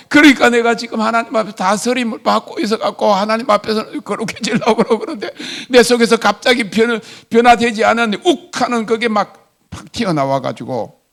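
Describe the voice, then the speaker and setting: A middle-aged man, a pastor with a Gyeongsang Korean accent, preaching a sermon as an animated story and acting out what people said, chuckling as he goes. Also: very high-pitched, normal speed, vocal fry.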